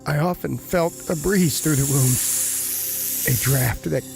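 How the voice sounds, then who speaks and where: An actor playing a terrified male prisoner in a horror audio drama, brooding and halting as he recounts solitary torment and slips into panic. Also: fairly high pitch, gravelly. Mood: haunted dread. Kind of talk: first-person horror audio drama narration. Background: music.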